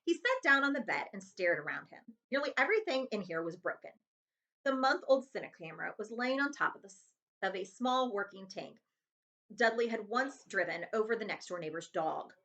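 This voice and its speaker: A woman reading a children's chapter book aloud as host, with expressive narration. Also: mid-range voice, a little fast.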